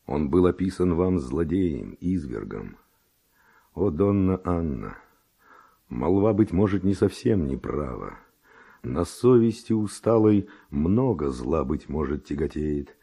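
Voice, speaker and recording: A very deep-voiced, ardent seducer. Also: male voice, very animated, vocal fry, warm tone, breathy edge, full character voice. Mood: seductive, pleading. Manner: slow, declamatory, rhetorical courting. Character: Don Juan, passionate male seducer, ardent and pleading. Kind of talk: classic Russian radio drama acting of verse.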